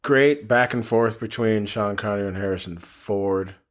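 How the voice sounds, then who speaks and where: A man's voice: on the low side, normal speed. A man co-hosting a podcast, talking casually and quoting films in put-on voices. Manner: laughs often, quotes films in put-on voices. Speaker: podcast co-host. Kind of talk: casual chat.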